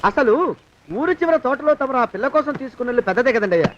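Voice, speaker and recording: A put-upon male servant, mutters curses under his breath and talks back to his master. His voice is very high and quick. The audio is muffled and lo-fi, with faint noise underneath. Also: expressive, a bit bright. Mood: grumbling. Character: grumbling, sarcastic male servant. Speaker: film actor. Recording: dull lo-fi film soundtrack with faint noise.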